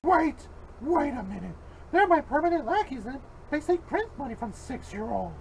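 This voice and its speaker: Man doing a high-pitched, pleading cartoon villain. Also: big pitch swings, moderate pace, gravelly, a little hiss or hum, exaggerated voice. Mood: alarmed, pleading. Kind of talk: amateur fan-made cartoon voice acting.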